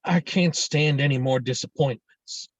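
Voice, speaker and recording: A man's voice: medium pitch, a little slow, dry recording, close to an everyday voice. A man acting a proud, domineering father who presses his son, in a table read of a drama script. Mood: pleading, coaxing. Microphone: video call microphone.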